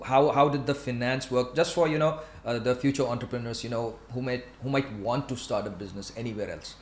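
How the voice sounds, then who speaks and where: A man hosts a casual interview in an echoey room. His voice is average in pitch, and he feeds in questions and short interjections. There is faint noise behind him. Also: quick pace. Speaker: podcast host.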